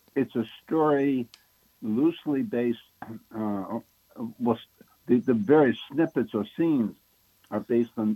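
A man with a dark, mellow tone speaks with long, frequent pauses in a dry, close sound with no echo. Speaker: author. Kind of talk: interview. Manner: halting.

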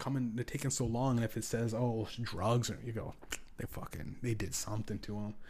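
A somewhat breathy man at a medium pitch, talking at a fairly quick pace. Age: 20s. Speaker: podcast host. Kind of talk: casual monologue. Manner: animated.

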